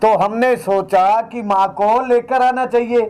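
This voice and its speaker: A man's voice: extremely high pitch, steady tone, unhurried, darkish tone, rough recording. A man playing a scheming son in a family skit, in a coaxing way. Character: scheming son, falsely sweet. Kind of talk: low-budget comedy skit acting.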